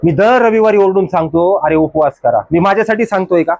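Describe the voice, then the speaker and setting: A man's voice: sits high, a little fast, a little mellow, no room sound. A man preaching as a pastor in a church, exhorting his congregation with rhetorical questions and mock excuses. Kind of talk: sermon.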